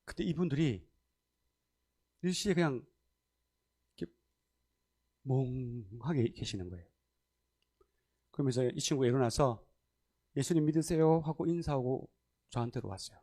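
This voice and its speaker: A male pastor with a medium-pitched voice preaches in a church sanctuary, speaking at a moderate pace with long pauses. His sermon is full of stories, and he animatedly acts out the voices of the people in them, laughing often.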